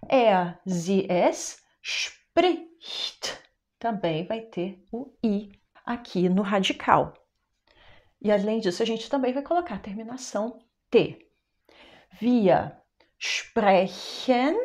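A young Brazilian woman with a Brazilian Portuguese accent teaching a German lesson online, explaining patiently step by step and slowing down for the example words. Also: medium pitch, very animated, darkish tone.

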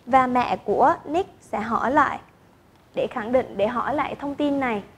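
A woman's voice: fairly high pitch, normal speed, a bit bright, breathy edge. A woman teacher explaining intonation rules and modelling example sentences in an online lesson. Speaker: English teacher.

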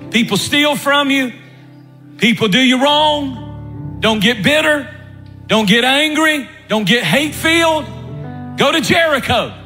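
A man preaching a sermon as pastor, emphatic, dropping his voice low when telling a story. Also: bright, forceful tone.

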